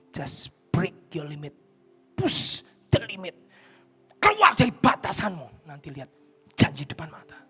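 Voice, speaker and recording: A male pastor giving an impassioned sermon, swinging between shouted peaks and hushed, whispered lines. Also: fairly high pitch, husky.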